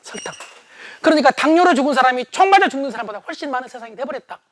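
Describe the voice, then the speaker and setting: A middle-aged man giving a humorous leadership lecture, animated and often shouting for emphasis. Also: very high-pitched, very fast.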